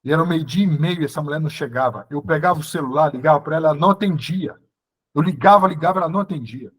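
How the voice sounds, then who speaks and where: Preacher guy, slightly high voice, tells his story like a drama to the congregation. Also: fast talker, breathy edge. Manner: dramatic storytelling, addresses listeners as brothers. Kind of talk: sermon testimony.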